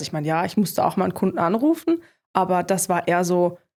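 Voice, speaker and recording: A woman at a very fast pace with very wide pitch swings, on a very clean recording with a silent background. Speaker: sales employee. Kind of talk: interview.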